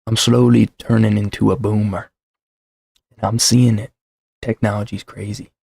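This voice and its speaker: Man, thirties, gravelly fry, dry close sound, casual livestream host, rambling, self-deprecating. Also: fairly low pitch, flat delivery, normal speed, a little mellow, no echo. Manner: rambling, self-deprecating, many fillers and restarts. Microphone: desk mic with shock mount.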